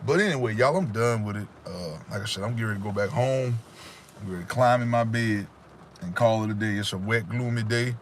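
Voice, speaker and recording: A man with a lowish voice talks fairly quickly over a little hiss or hum. He's hosting a casual motivational livestream, handing out emphatic, preachy life advice straight to his viewers through a phone or webcam set in front of him.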